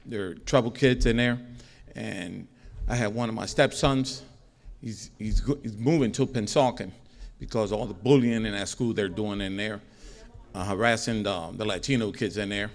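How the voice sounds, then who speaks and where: A man's voice: lowish voice, moderate pace, creaky. A middle-aged man giving a rambling, repetitive public comment at a school board meeting from a podium microphone, growing more heated as he goes.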